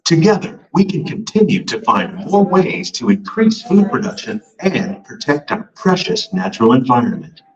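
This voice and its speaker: A man giving polished, upbeat scripted ride narration, played as a recording over an outdoor boat-ride loudspeaker. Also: medium pitch, big pitch swings, moderate pace, few pauses. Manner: polished, upbeat announcer delivery. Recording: muffled, distant loudspeaker heard from a boat.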